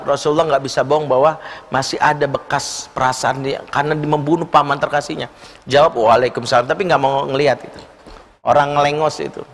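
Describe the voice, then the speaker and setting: Man preaching in a reverberant hall. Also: a little high. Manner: lively storytelling, acts out quoted voices. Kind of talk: sermon with told stories. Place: large mosque hall.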